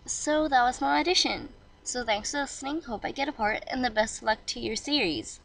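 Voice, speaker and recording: A woman's voice: a little high, moderate pace, gravelly, a bit bright, a little hiss or hum, rough recording. A woman getting over a cold who casually introduces and closes her voice audition in a friendly, informal way. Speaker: voice actor auditioning.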